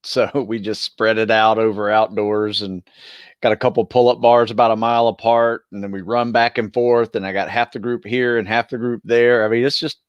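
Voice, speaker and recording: A man co-hosting a podcast in casual chat, easygoing and a bit halting as he talks. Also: fairly low pitch, little pitch movement, clean tone, no echo, lo-fi sound. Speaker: podcast co-host and fitness group trainer.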